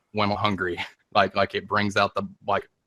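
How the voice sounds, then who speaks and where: With a Southern US accent, a man speaks in a fairly low voice that has a bright, sharp tone. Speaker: YouTube horror narrator. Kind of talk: casual chat. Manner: halting, many fillers.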